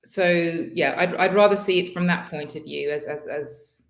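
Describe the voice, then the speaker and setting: A woman's voice: low-pitched, normal speed, creaky, roomy sound. A woman from Switzerland in her fifties with a British-schooled English accent, a podcast guest who talks in a hesitant, reflective way with many restarts. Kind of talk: casual podcast conversation.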